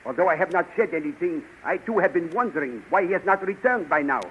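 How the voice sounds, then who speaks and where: Guy acting a careful old scientist, stiff formal talk, kinda high voice, dull hissy old radio. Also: expressive, lightly acted. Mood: measured. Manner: formal, measured, stiff phrasing. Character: cautious older male scientist, calm and formal. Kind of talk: 1930s radio drama acting.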